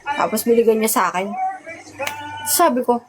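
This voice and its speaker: A woman's voice: on the high side, lively intonation, moderate pace, background noise. A young woman hosting a casual livestream, telling stories in a rambling, giggly way full of fillers, into a phone mic. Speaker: livestream host.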